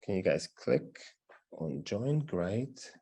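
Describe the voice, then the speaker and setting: A man's voice: lowish voice, animated, slow, creaky, dark tone, breathy edge. A man hosting an online teacher meetup, giving friendly step-by-step instructions and often checking in with "right?" and "okay?". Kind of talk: casual instructions on a video call. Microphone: video call.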